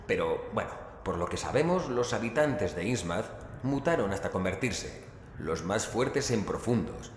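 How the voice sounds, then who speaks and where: A man's voice: fairly low pitch, expressive, measured pace, a little hiss or hum. A man playing a skeptical investigator who narrates and speaks in a horror audio drama.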